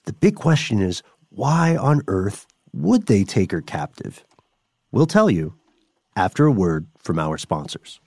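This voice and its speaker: A man's voice: fairly low pitch, big pitch swings, unhurried, a little mellow, no room sound, studio quality. A man hosting a podcast, moving between conversational explaining and ad reads. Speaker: podcast host.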